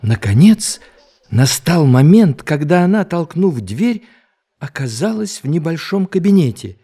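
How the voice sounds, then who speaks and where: A man's voice: fairly high pitch, big pitch swings, unhurried, mellow, slightly rough. A man narrating a scripted story in an audio drama.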